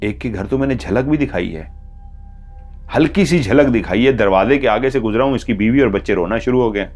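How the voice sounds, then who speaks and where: A man's voice: mid-range voice, brisk, a little mellow, faint music behind, natural voice. A man voicing a sly, mischievous male jinn spirit who boasts and begs in a raised voice for a storytelling horror tale. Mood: boastful. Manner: boastful, pleading when beaten.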